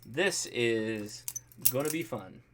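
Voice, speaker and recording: An American man hosting a casual livestream about a hobby, reading out and answering viewer comments in an animated, jokey, colloquial way. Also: mid-range voice, slow, noisy background. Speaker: host of a ham radio livestream.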